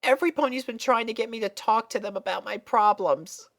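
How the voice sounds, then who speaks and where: A woman's voice: on the high side, a little fast, pitched above the performer's own voice, close to an everyday voice. A woman voicing an anxious, lovesick young unicorn filly in a story reading, plaintive and easily flustered. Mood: remorseful, overwhelmed. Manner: plaintive, flustered, hesitant with stammers.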